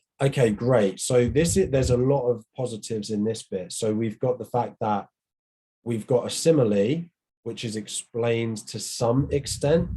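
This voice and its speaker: A man's medium-pitched voice with a British accent, somewhat breathy, with a dark, mellow tone. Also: ordinary pitch variation, moderate pace. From Britain. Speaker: teacher. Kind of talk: tutorial. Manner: halting.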